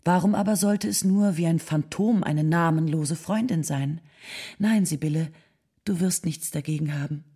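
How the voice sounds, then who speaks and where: A woman playing an earnest, tactful nineteenth-century lady, reading a letter in a measured, persuasive, formal way. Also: low voice, warm tone, husky. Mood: gently insistent. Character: Ottilie von Goethe, earnest, tactful 19th-century lady writing condolences.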